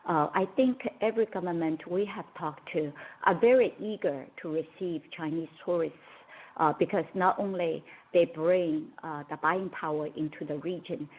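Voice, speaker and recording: A woman executive answering questions on an earnings call, speaking in measured, halting short phrases. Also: lowish voice. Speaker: company executive. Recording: narrow, tinny phone line.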